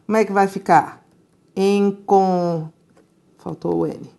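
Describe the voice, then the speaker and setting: Slow, didactic woman teaching grammar. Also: medium pitch, steady tone, creaky, dark tone. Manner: didactic, asks and answers her own questions. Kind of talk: recorded grammar lesson.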